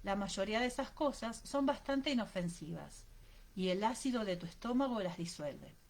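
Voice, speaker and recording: A woman reading an audiobook, voicing a calm, gently amused woman doctor patiently explaining things to a girl. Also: medium pitch, normal speed, gravelly. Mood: reassuring.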